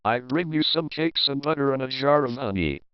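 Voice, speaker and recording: A sweet little storybook girl, as a man reads the part, innocent, polite and trusting. The delivery is smooth and clean, recorded dry. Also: mid-range voice, animated, moderate pace, no echo, muffled recording, close to an everyday voice. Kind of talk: storybook character voice.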